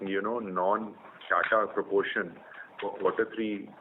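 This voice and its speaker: A man with an Indian accent, a company executive explaining results in a measured way on an earnings call. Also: lowish voice, level tone. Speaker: company executive answering analysts. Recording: narrow phone line with faint noise.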